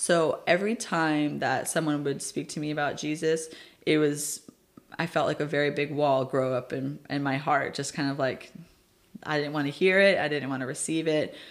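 The speaker uses an American accent, talking at a moderate pace with fairly even intonation. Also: woman. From Austin, Texas. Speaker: podcast guest sharing faith story. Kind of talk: testimony. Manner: hesitant, many fillers.

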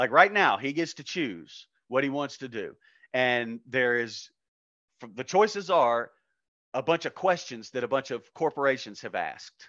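Lively intonation from a man with an Appalachian accent, medium in pitch, with a bright, sharp tone. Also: moderate pace, quiet background. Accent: Southern US, Appalachian. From US South, Alabama and Appalachia. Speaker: homesteader and activist. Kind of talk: casual interview conversation.

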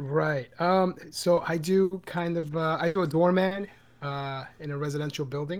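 A man's fairly high voice with a New York accent, fairly slow and fairly even in intonation, on a very clean recording with a silent background. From New York, Brooklyn. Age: 30s. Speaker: crypto enthusiast, doorman. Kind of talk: casual interview.

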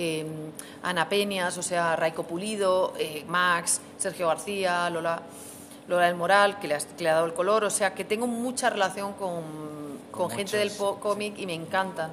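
A woman with a medium pitch speaks at a moderate pace and fairly even intonation in an unremarkable speaking voice. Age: 50s. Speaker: writer and professor. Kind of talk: interview. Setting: book fair.

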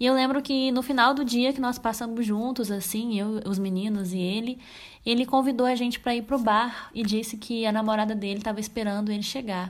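This is a woman with a normal speaking voice. She talks fairly quickly at a fairly high pitch with fairly even intonation. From Brazil. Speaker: former exchange student. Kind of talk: recorded personal testimony.

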